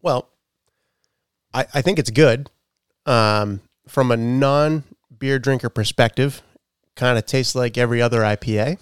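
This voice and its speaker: A man's voice: mid-range voice, a little slow, clear, resonant tone, no echo, clean studio sound. A man in his thirties co-hosting a casual podcast chat over beers, playful and wisecracking. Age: 30s. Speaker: podcast co-host.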